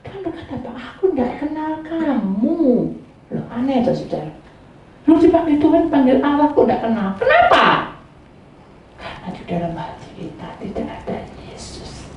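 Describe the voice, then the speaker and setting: Lively woman preacher in an echoey hall. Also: high voice, a little fast, vocal fry, dull audio. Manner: lively preaching, acts out people and quotes with sudden swings. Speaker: pastor. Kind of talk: sermon. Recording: echoey room heard from far off.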